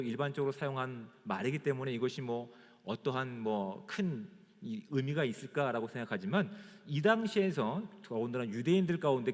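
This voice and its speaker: A man, a pastor, delivering a sermon at a church service with emphatic delivery and rhetorical questions. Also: medium pitch. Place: church sanctuary. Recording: reverberant church hall.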